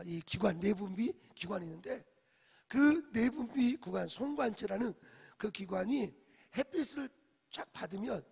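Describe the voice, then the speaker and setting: A man's voice: sits high, vocal fry, a little mellow, slightly rough. A male pastor giving a dawn service sermon, telling the story, asking the congregation questions and dropping in English phrases. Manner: acts out quoted speech, drops in English phrases. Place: church sanctuary. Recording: echoey church hall.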